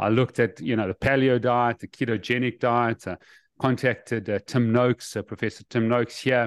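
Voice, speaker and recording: A man speaks with a South African accent at a medium pitch and a fairly quick pace, with fairly even intonation. The sound is dry and close with no echo, over a quiet background. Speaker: health coach. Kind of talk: interview.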